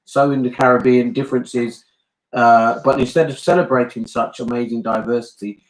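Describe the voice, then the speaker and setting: With a medium-pitched voice and fairly even intonation, this older British bishop and family talk host speaks at a moderate pace. He's earnest and emphatic in a casual family discussion, frequently repeating himself to drive points home. The low-quality recording has an echoey room sound.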